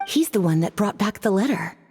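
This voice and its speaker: A woman voicing a calm, friendly knight. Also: medium pitch, fairly quick, slight background noise, lightly acted. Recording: game audio with music.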